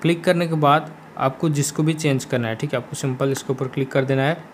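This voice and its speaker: A man's voice: mid-range voice, fairly even intonation, brisk. A man with an Indian accent explaining steps in a casual gaming screen tutorial, repeating his instructions as he goes. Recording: faint background noise.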